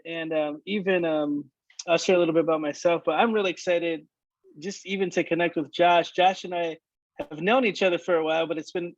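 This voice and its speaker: In a dull-sounding clip with no echo, a slightly high-voiced man chats about his life. He's a worship leader guest from Michigan in his late thirties whose halting speech is full of restarts and fillers.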